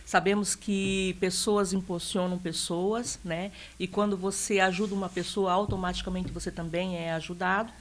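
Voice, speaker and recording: A woman's voice: on the low side, flat delivery, moderate pace, few pauses. A Brazilian woman in her fifties, a sales consultant guest on a radio talk show, speaking earnestly and hesitantly with many fillers. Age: 50s. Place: radio studio.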